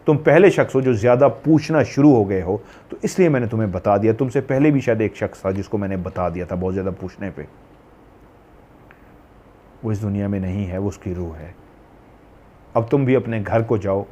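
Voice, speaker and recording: A man's voice: on the low side, normal speed, warm tone, lightly acted. A man telling of a grieving old father. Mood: grave.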